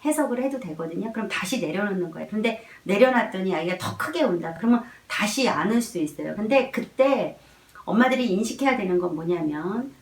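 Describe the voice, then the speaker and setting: A woman giving an earnest, gently reassuring talk on caring for babies. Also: medium pitch, lively intonation, a little fast. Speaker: parenting educator. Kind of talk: explanatory parenting talk. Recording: echoey room, mic far off.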